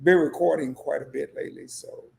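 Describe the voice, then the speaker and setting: Hoarse, gravelly-voiced man hyping credit. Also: a little high, sing-song, a little fast. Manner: rousing and emphatic, repeats himself when worked up. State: hoarse, losing his voice. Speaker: fellow credit YouTuber and co-host. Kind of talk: casual livestream chat.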